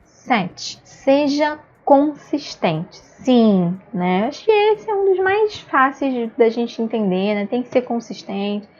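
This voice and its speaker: A woman with a Brazilian Portuguese accent gives an online lecture, chatting with her listeners and often checking that they follow. Her voice sits a bit high. The recording is dull and lo-fi. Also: big pitch swings, takes it slowly, few pauses. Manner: conversational, keeps asking "né?". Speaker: instructor.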